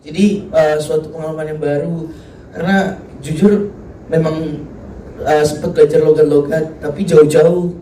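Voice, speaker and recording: A man, a film actor, answering at a press conference, hesitant and quick to laugh. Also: a little high, fairly even intonation, warm tone, a little hiss or hum. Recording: distant echoey room.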